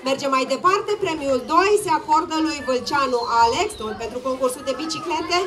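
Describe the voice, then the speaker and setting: A woman's voice: sits high, background noise. A woman hosting an outdoor children's day event on a handheld microphone, announcing prizes and urging applause. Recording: loud PA with music and crowd.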